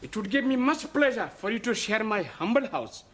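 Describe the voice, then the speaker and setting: An actor playing a courteous, eager language student with a South Asian accent and formal broken English in a sitcom. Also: male voice, sits high, sing-song, moderate pace, a bit bright, exaggerated voice. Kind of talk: sitcom acting.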